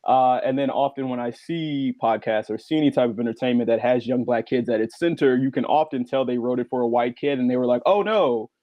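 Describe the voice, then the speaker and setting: A man's voice: medium pitch, a little fast, few pauses, no echo. A man from the United States talking casually and conversationally as a guest on a panel. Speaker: podcast creator, panel guest. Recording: slightly dull, band-limited audio.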